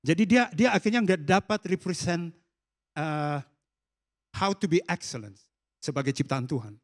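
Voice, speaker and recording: Slightly high-voiced Indonesian pastor telling a story. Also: male voice, animated, moderate pace. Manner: storytelling, mixing in English phrases, acting out quoted dialogue softly. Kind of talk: sermon with a personal story. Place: church service hall.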